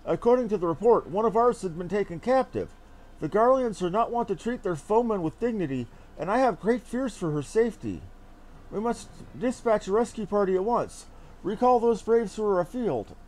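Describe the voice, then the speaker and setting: A man's voice: sits high, lively intonation, moderate pace, a little mellow, voice pushed up, rough recording. A man voicing an earnest, refined young male commander from a fantasy game, with formal and eloquent phrasing. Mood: worried, urgent.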